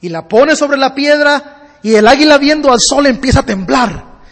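A man preaching in a church hall tells a parable, repeating phrases in rhythm as he builds slowly. His voice is very high for a man. A long reverb rings through the hall. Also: expressive, a bit bright. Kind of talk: sermon with storytelling.

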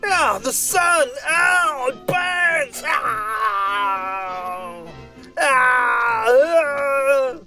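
A man's voice: very high voice, extremely slow, sharp tone, faint music behind, exaggerated voice. A man acting out an irritable, wary young guy in a dramatic first-person horror story, muttering and coarse. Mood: panicked, in pain. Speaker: story reader.

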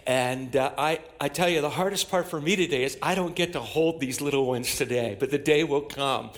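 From the church platform, a male pastor leads a service with a sermon and public prayer, speaking to the congregation in a declamatory, repetitive cadence broken up by amens. His voice is fairly high and brisk.

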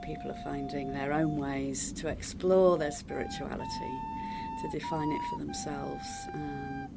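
A woman hosting a relaxed, conversational interview. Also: low-pitched, vocal fry, noisy background. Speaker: interviewer and host.

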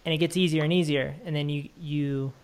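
A man's voice: fairly high pitch, steady tone, fairly quick. A man hosting a casual conversation, talking in a thoughtful, reflective way with frequent restarts. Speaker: podcast host.

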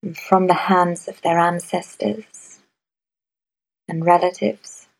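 A woman guiding a meditation in a soft, measured way, with long pauses between phrases. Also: lowish voice, fairly even intonation, gravelly, low-quality recording. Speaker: meditation guide. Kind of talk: guided meditation.

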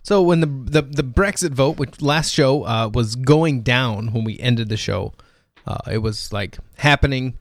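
A man's voice: mid-range voice, unhurried, hardly any pauses, dry recording, studio quality. A man hosting a show with casual, wry, colloquial commentary. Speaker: show host.

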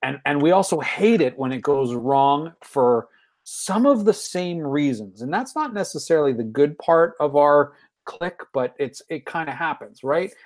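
A man's voice: on the high side, lively intonation, normal speed. Enthusiastic man in his forties. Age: 40s. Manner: enthusiastic, rambling, many restarts. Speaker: podcast guest. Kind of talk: casual podcast discussion.

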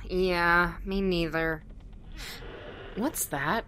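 A woman's voice: fairly low pitch, fairly even intonation, very slow, pushed and bright, a little hiss or hum, exaggerated voice. A woman playing an eager, earnest young woman who believes in ghosts and plays along politely. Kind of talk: audio drama acting.

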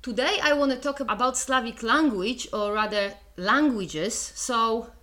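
A woman's voice: a little high, unhurried, fairly bright tone. A woman with a Polish accent hosting her own podcast, explaining ideas in a chatty, wry way with asides. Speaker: podcast host. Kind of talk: solo podcast lecture.

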